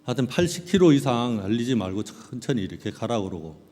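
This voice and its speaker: A middle-aged male pastor preaching a sermon, telling personal stories in an animated way and acting out scenes. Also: medium pitch, fast. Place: large hall at a church camp. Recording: long reverb of a large hall.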